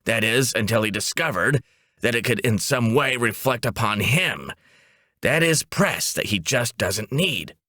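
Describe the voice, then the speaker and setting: Man voicing a brisk, animated wisecracking woman boss. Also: medium pitch, no room sound, clean studio sound. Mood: matter-of-fact. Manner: breezy, emphatic, joking. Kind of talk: comic audiobook dialogue.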